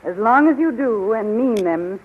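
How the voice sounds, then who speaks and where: A woman's voice: on the high side, expressive, unhurried. An actress playing a seductive, imperious wicked queen in a 1930s radio serial, coy and commanding. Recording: muffled, lo-fi 1930s radio recording.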